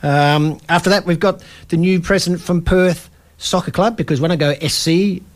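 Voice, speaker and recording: A man hosts a community radio football show, his voice sitting somewhat high. He rambles through the lineup with fillers and restarts, poking fun at himself. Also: fairly even intonation, moderate pace. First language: English. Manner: rambling, self-deprecating, many fillers and restarts. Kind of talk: casual community radio chat.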